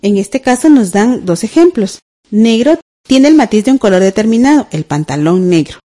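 A woman co-teaches a radio language class. She explains slowly and clearly in a calm, mellow voice. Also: fairly high pitch. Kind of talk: radio school lesson.

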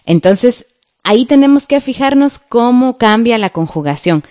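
A middle-aged woman with a Guatemalan Spanish accent teaches a grammar lesson. Her voice is warm and mellow, recorded dry and close, and she reads each example out slowly and deliberately. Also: a little high, lively intonation, no echo. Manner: slow, careful, explanatory.

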